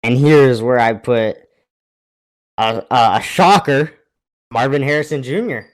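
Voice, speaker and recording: A man's voice: medium pitch, measured pace. A man co-hosting a casual sports chat over a remote call, hesitant as he thinks aloud. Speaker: podcast co-host.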